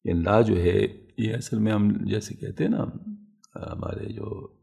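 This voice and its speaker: A man with a low, heavily gravelly voice teaches a religious lesson. His tone is dark and husky, and he explains methodically and patiently, one point at a time. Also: fairly even intonation.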